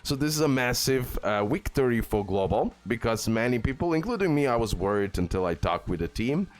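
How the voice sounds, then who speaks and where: A man's voice: medium pitch, big pitch swings, brisk, a little hiss or hum. A man hosting a gaming video, giving casual, informal guide commentary peppered with bro and okay.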